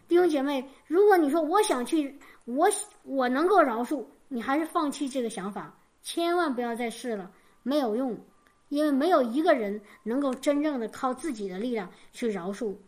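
A woman's voice: high-pitched, a little mellow. A woman preaching a sermon and giving her personal testimony, fervent, repeating key phrases for emphasis, often stammering and restarting.

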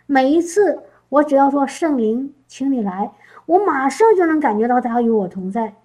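High mellow woman preaching a testimony, keeps asking the church stuff. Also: animated, fairly quick, low-quality recording. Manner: emotional, repeats words, asks listeners questions. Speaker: church speaker. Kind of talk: testimony sermon.

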